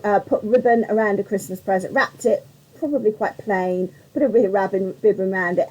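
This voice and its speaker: A woman with a mellow, warm tone and a slightly croaky edge hosts a live craft demonstration. She talks in a chatty, rambling way, with plenty of fillers, and keeps greeting her viewers by name. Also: mid-range voice, poor audio. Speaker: craft tutorial host on a live stream.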